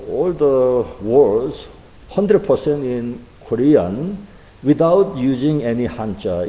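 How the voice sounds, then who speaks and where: A man teaching a language class in English, speaking slowly and haltingly with many fillers and asking his students questions. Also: medium pitch, dark tone, long reverb tail, poor audio. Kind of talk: online class lecture.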